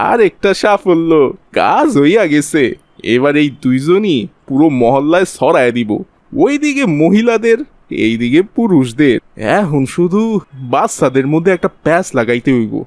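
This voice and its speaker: A man's voice: on the high side, big pitch swings, a little slow, dry recording. A man voicing a scheming, wheedling village conman in a cartoon, with a rural Bangladeshi accent. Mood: gloating. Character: scheming male village conman spreading virus rumours for profit. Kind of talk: cartoon character acting.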